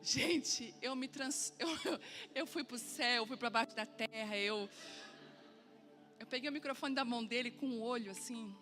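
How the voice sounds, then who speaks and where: A woman pastor preaching a sermon, telling a funny personal story and acting out the dialogue with lively humor. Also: a little high, moderate pace, faint music behind.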